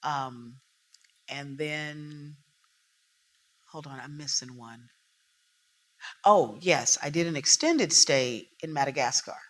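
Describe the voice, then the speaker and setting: A woman's voice: low-pitched, slow, pauses often. A woman, a guest in a casual interview, telling stories emphatically and with animation. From United States.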